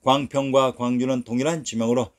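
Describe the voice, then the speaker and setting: Male narrator for a scripted history lesson, even list-like delivery, mid pitch. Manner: measured, list-like reading of place names. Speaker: narrator of a history lecture series. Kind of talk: scripted narration, reading out sources.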